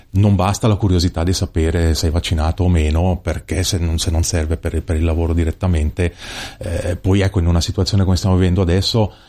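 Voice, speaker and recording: Very fast and very even in loudness, a man speaks with a very deep, low pitch and fairly even intonation. Noticeable background noise sits behind him. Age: 50s. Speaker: chamber of commerce director. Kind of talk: podcast interview. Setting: studio.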